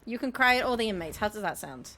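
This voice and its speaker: A woman's voice: medium pitch, animated, quick pace, bright, forceful tone, a little hiss or hum. A woman streamer playing a police dog handler in a live role-play, giving firm, playful commands to her dog.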